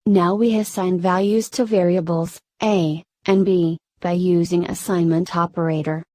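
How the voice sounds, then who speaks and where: Woman tutor, low-pitched and mellow, flat machine-like read, dry booth sound. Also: unhurried, no room sound. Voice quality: flat, synthetic-sounding delivery. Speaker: programming tutor. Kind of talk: scripted tutorial narration.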